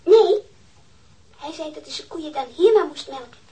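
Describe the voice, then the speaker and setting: A woman's voice: high voice, expressive, moderate pace, mellow. A woman playing a candid, chatty little girl in a radio drama, telling things eagerly in a hesitant childlike way. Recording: noisy old radio drama recording.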